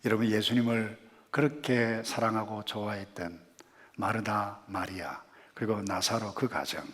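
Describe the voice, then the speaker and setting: A man preaching a sermon as pastor, dropping to hushed murmurs and rising to loud, emphatic rhetorical questions, and leading the congregation in reading scripture aloud. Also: lowish voice.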